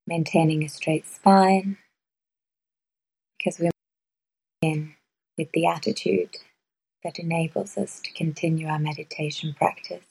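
A woman guiding a meditation in a soft, measured way, with long pauses between phrases. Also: low-pitched, steady tone, gravelly, husky, low-quality recording. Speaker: meditation guide. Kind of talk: guided meditation.

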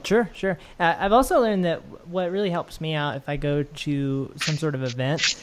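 A man's voice: on the high side, normal speed, clean tone, low-quality recording. A man hosting a casual conversation, talking in a thoughtful, reflective way with frequent restarts. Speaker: podcast host.

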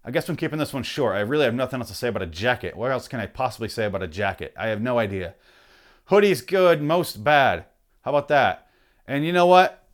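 Profane, exasperated man ranting, voice going hoarse. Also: mid-range voice, lively intonation, quick pace. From Michigan. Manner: loud exasperated swearing, mock outrage. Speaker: vlogger ranting on camera. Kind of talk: profane comedic rant.

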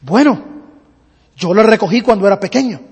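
A man's voice: high voice, expressive, normal speed, a little mellow, breathy edge, voice pushed down, full character voice. A man preacher voicing a skeptical male farmer who dismisses the idea with repeated refusals. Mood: matter-of-fact. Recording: long hall reverb.

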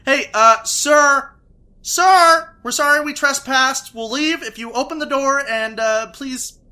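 Woman as sarcastic skeptic, sharp and bright. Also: high-pitched. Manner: sarcastic and dismissive, quick to explain things away. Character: skeptical young character named Mike. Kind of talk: audio drama acting.

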